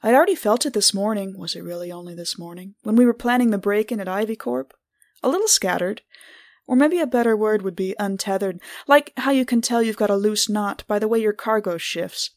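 An introspective adventurer voiced by a woman recounts how she has changed, in a scripted first-person podcast monologue. Her mid-pitched voice is reflective and measured, pausing deliberately, and recorded very dry. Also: a little mellow, dry recording, natural voice. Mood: haunted, reflective. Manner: reflective, measured, literary phrasing with deliberate pauses.

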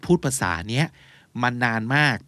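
A man's voice: a little fast, bright, forceful tone, no echo. A man, co-hosting a podcast and casually explaining English terms, dropping English words into his talk.

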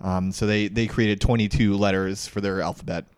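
A man's voice: on the low side, fairly even intonation, normal speed, clean tone, dry recording, clean studio sound. A man hosting a podcast, explaining history in casual, slangy chat with a jokey, informal manner. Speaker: podcast host.

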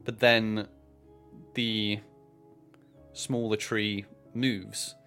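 A man working as game master, improvising descriptive narration for a tabletop game with hesitant pauses mid-phrase. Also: on the low side, flat delivery, sharp tone, faint music behind.

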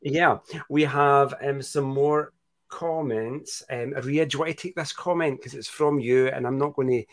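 A man's voice: medium pitch, steady tone, moderate pace. A Scottish man hosting a live podcast, chatting casually and playfully while reading out listener comments. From Scotland. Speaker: podcast host.

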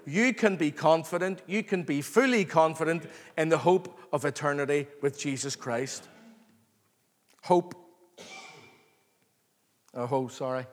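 A man preaching an expository sermon to a congregation, earnest, excited and emphatic, repeating phrases and calling for response. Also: a little high, normal speed, hardly any pauses. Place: large reverberant room, live before a congregation. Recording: long hall reverb.

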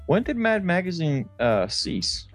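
A man's voice: sits high, big pitch swings, a little slow. Laid-out casual guy talk, faint music. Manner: informal, slangy. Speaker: podcast host. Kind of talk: casual chat.

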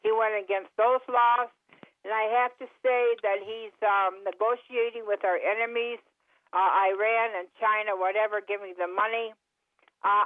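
A woman radio show caller comes through a narrow, tinny telephone line with no room sound at all. She talks in a rambling, opinionated way and gets heated on politics. Her pitch sits in an ordinary middle range. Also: no room sound. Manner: chatty, then heated political ranting. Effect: caller heard over a phone line. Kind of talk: call-in talk radio. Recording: tinny dry phone line.

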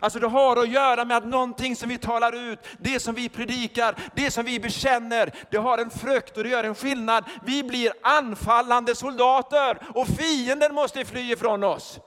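An older man preaching a sermon as pastor, lively, joking and putting questions to the congregation. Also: very high-pitched, hardly any pauses. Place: church hall. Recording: long reverb of a church hall.

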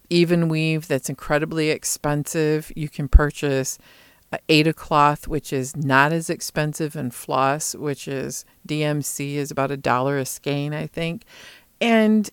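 Woman, middle-aged, casual craft vlogger. Smooth, clean tone, medium pitch, dry sound, thinks out loud. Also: dry recording. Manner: rambling, thinking aloud. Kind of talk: casual chatty monologue about hobbies.

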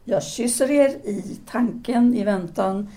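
An actress playing a self-possessed intellectual woman in an audio drama, formal and measured yet intimate and seductive. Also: mid-range voice, warm tone, close to an everyday voice. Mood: ardent longing. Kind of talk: audio drama letter monologue and dialogue.

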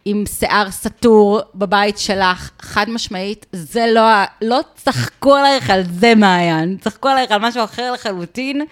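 A woman's voice: medium pitch, hardly any pauses. An Israeli woman co-hosting a podcast in casual chat about a reality show, opinionated and teasing, often mimicking others. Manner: opinionated, teasing, mimics people she discusses. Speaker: podcast co-host.

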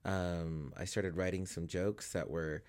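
A man's voice: low voice, fairly even intonation, measured pace, darkish tone. A man in his thirties co-hosting a podcast, chatting casually and rambling a little, with easy laughs. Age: 30s. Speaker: podcast co-host. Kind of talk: casual chat.

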